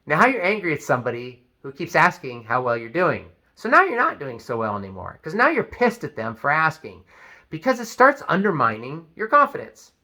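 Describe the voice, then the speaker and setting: An animated man talks to the camera, giving plain advice. His voice has a bright, forward edge. His pitch swings widely as he acts out what other people say. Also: a little fast. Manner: animated, acts out quoted speech. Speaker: vlogger. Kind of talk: advice video talk.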